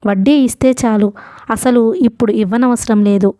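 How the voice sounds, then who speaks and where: A woman reading as a quiet, curt young husband. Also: a little high, normal speed, no room sound, studio quality, close to an everyday voice. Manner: quiet and restrained. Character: proud, curt young husband short of money.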